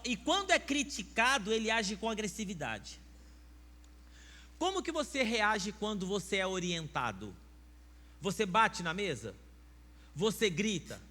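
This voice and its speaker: A man's voice: high voice, pushed and bright. A man with a Brazilian Portuguese accent preaching a sermon as pastor, emphatic and firing rhetorical questions at the congregation. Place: church sanctuary. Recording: church hall reverb with faint mains hum.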